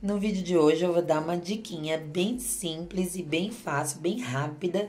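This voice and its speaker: The room echo is audible. A woman speaks at a fairly low pitch. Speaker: home tips vlogger. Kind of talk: tutorial. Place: bathroom. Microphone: phone near.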